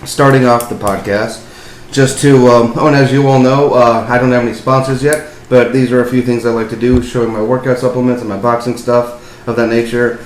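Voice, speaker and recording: A man's voice: mid-range voice, level tone, fairly quick. A young man hosting his own podcast, talking casually and rambling with lots of fillers and apologies. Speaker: podcast host. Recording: echoey room, faint hiss.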